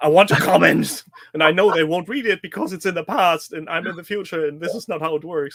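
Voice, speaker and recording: With a slight German accent, a high-pitched man speaks at a fairly quick pace with ordinary pitch variation, in a dry, close sound with no echo. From Germany. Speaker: hobby YouTuber. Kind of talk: casual chat. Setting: video call. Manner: halting.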